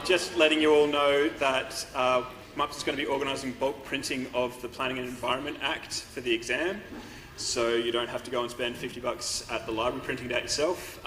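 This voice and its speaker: A young man on behalf of a student society, talking to a lecture class. He sounds casual and fills pauses with ums. His voice is bright and forward, and it rings in a roomy hall with faint noise behind it. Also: mid-range voice. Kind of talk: class announcement.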